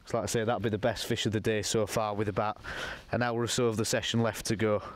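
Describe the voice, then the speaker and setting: Low-voiced man fishing, chatting aloud. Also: fast talker. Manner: relaxed, matter-of-fact, thinking aloud. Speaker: angler presenting a fishing session. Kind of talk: casual commentary while fishing. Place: outdoors on a lake bank.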